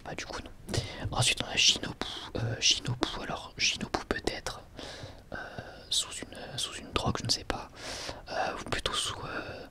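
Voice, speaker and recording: A man whispers an ASMR product review in a breathy, unvoiced voice, halting and wryly sarcastic, close to the microphone. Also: mid-range voice. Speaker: ASMR video host.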